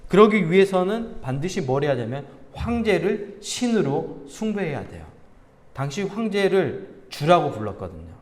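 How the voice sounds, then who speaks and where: Lively Korean pastor in echoing hall. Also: male voice, on the high side, normal speed. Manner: animated, asks the congregation questions, tells anecdotes with laughter. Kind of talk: conversational sermon. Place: church sanctuary. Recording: reverberant church hall.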